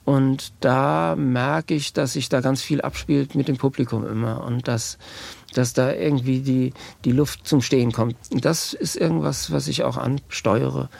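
A man with a creaky voice explaining things informally and haltingly as a musician, thinking aloud with music behind him. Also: medium pitch, steady tone, a little mellow, no room sound. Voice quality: creaky, gravelly. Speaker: musician and composer.

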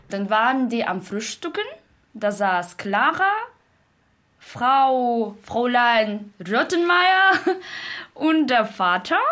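A young woman from Uzbekistan with a somewhat high voice. She retells things casually at a very slow pace, often searching for the next word. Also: fairly bright tone. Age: 20s. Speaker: interviewee.

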